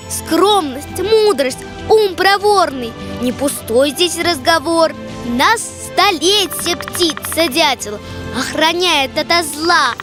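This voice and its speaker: A childlike voice reciting verse as narration for a children's cartoon, in a measured, declamatory way. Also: very high-pitched. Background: music.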